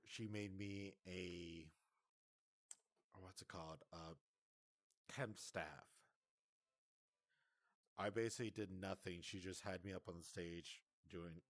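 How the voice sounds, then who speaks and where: A man's voice: deep voice, no room sound. A man casually recounting a breakup in a vlog, hesitant and rambling, often stammering and restarting.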